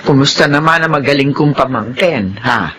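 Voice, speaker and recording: A man's voice: mid-range voice, moderate pace, sharp tone, a little hiss or hum, close to an everyday voice. An actor playing a fatherly older uncle who scolds his nephew but cares for him. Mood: scolding.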